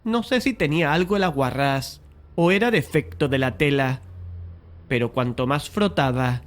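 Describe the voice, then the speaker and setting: A man playing a polite, easily frustrated painter who narrates a dramatized horror audiobook in a measured, literary way. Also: mid-range voice, natural voice. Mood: measured, uneasy.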